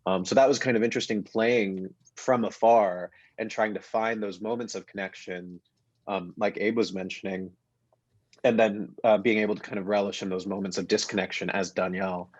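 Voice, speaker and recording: A man with a lowish voice talks reflectively and haltingly in a relaxed panel discussion. The recording is dry and a bit dull, as if over a video call. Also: no room sound. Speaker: actor, panel guest. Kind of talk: casual panel conversation.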